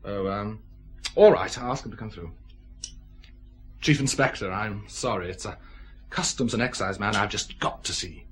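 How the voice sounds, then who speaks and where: An actor playing an affable, slightly flustered whisky firm owner in a radio drama. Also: male voice, on the low side, normal speed, long pauses, lightly acted.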